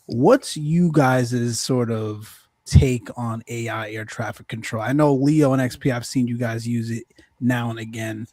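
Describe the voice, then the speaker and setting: A man's voice: medium pitch, measured pace, a little mellow, dry recording. A man hosting a casual podcast, talking in a rambling way with many restarts and posing questions to guests. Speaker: podcast host.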